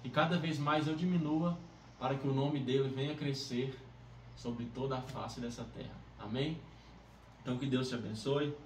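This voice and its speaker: A man's voice: mid-range voice, steady tone, moderate pace, darkish tone. A man with a Brazilian accent speaking earnestly as he leads a devotional Bible reading. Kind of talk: devotional introduction, prayer and Bible reading aloud. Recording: roomy, distant mic, faint background noise.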